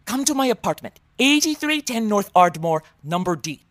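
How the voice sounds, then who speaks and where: An actress playing a scheming, secretive noir informant with a Spanish accent and a formal, dramatic manner. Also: female voice, mid-range voice, very animated, normal speed, no room sound, lightly acted. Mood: grave. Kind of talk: comedic noir audio drama.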